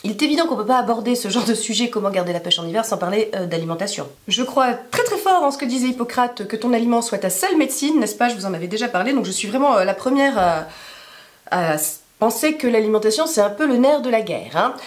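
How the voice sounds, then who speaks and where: A woman with a hoarse smoker's rasp being sick, chatting casually to camera in a rambling, self-deprecating way full of asides. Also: on the high side, expressive, fast talker. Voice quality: raspy smoker's rasp from illness. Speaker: YouTube vlogger.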